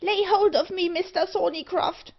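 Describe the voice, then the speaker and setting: A woman voicing a small, brisk, cocky old male dwarf in a storybook. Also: high-pitched, big pitch swings, pitched above the performer's own voice. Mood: screaming. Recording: dull, lo-fi audio.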